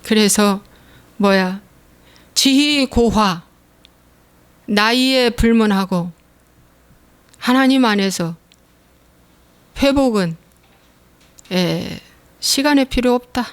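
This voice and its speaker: A woman's voice: fairly high pitch, slow, long pauses, clear, resonant tone. A woman pastor preaching a sermon, acting out prayers and complaints and asking the congregation rhetorical questions. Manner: animated, acts out quoted prayers and complaints; drops to hushed whispers at times.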